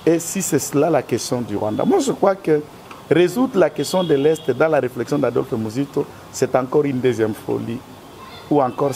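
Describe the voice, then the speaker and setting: A man's voice: medium pitch, gravelly, dark tone, slight background noise. A man with a Congolese French accent, a guest in a political interview, speaking in an emphatic, argumentative way.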